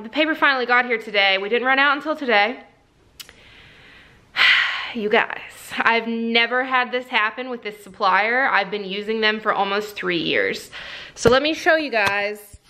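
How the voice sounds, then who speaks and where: A woman's voice: on the high side, pushed and bright. A young woman in casual vlog chat from her home office, talking with lots of fillers into a camera mic. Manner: chatty, many fillers, baby-talks to her puppy. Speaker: vlogger and small shop owner.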